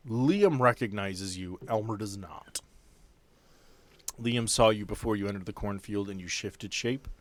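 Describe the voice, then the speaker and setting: A man with a fairly low voice serves as game master for a tabletop game. He improvises narration, sets out scenes and puts choices to his players. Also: a little slow, dry recording.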